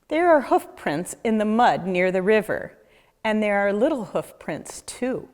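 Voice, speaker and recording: A woman reading a children's picture book aloud as a nature educator, with a deliberate, questioning storyteller delivery. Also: medium pitch, very animated, darkish tone. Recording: echoey room with long reverb.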